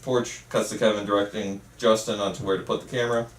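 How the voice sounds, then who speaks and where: A man with a lowish voice reads out stage directions at an amateur table read. He is a little far from the mic in an echoey room. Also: fairly even intonation, quick pace. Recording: echoey room, distant mic, faint noise.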